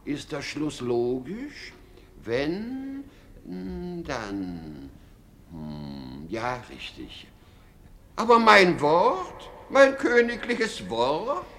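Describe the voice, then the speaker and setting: High-voiced, pompous, flustered old king. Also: huge pitch swings, very slow, fairly bright tone, full character voice. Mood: confused, hesitant. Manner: pompous, dithering, melodramatic. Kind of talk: theatrical German radio play acting.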